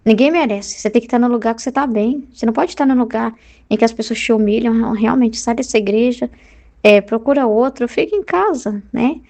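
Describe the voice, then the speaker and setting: A woman's voice: a little high, brisk, gravelly, darkish tone. A woman with a Brazilian Portuguese accent leading a Catholic study group. She teaches in an earnest, conversational way and often checks in with "né?". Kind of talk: spoken spiritual teaching.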